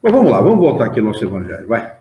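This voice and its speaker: A man with a Brazilian Portuguese accent talks very fast, his mid-range voice swooping wildly in pitch, as he leads an informal study group. In the association's hall he chats animatedly and reads passages aloud. The room recording sounds dull and echoey.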